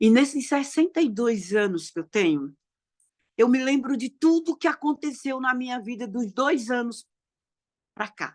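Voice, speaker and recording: A woman's high voice with lively intonation at a fairly slow pace, dry and close with no echo. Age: 60s. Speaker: church speaker. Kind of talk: sermon.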